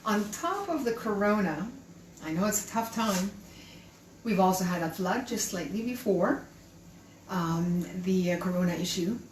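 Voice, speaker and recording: A woman's voice: mid-range voice, animated, measured pace. A middle-aged woman from Canada and Chile hosting a live cooking stream, chatty and welcoming as she speaks straight to her viewers. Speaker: cooking show host. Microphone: camera held by her son at a distance. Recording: roomy and distant with faint hum.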